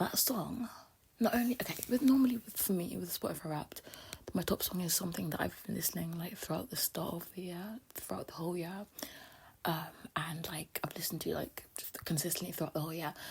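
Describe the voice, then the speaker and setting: With a British accent, a woman speaks quietly at a fairly quick pace with lively intonation. Her pitch is fairly low, and there is noticeable background noise. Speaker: YouTuber. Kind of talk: casual vlog reaction. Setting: home at night. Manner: animated.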